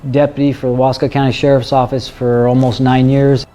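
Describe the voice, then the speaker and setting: Mellow police officer, personal and open, light music under. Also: male voice, mid-range voice, level tone, a little fast. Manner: warm-hearted, personal, open. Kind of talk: recruitment video interview.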